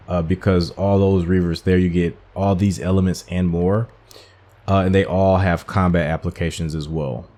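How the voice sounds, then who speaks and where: Man, low voice, casual gameplay commentary, musing, conversational. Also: dark tone. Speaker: gaming YouTuber.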